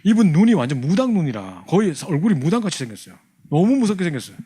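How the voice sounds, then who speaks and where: Give me a man, slightly high, acting out scenes in a church teaching story. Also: fast talker, breathy edge. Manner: animated storytelling, acting out his younger self. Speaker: church youth leader teaching a training class. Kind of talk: humorous testimony in a church lesson.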